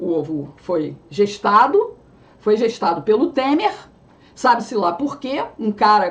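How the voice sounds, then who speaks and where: A woman speaks at a medium pitch and a fairly slow pace. Her tone is animated, with lively intonation. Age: 60s. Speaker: political commentator. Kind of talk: opinion monologue.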